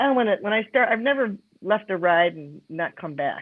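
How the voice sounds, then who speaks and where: A woman speaks with lively intonation. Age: 60s. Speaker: motorcycle rider. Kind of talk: casual interview chat. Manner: halting.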